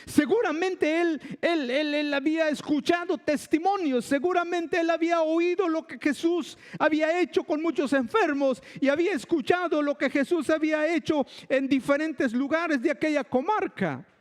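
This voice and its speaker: A male preacher giving a sermon, emphatic and slow, repeating his phrases for weight. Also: very high-pitched, long reverb tail. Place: church hall.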